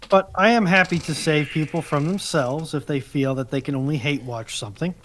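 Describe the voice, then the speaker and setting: A man's voice: a little high, brisk, a bit bright. A man co-hosting a casual live chat and reading out audience questions, with slight noise on the recording.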